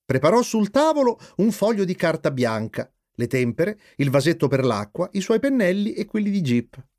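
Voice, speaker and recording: A man narrating a children's story aloud in an expressive way. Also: sits high, moderate pace. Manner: lively, expressive.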